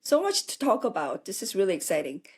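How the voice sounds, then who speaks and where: A woman's voice: mid-range voice, huge pitch swings, quick pace, darkish tone, husky. A woman hosting a podcast interview, encouraging her guest with frequent affirming murmurs and questions. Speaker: podcast host.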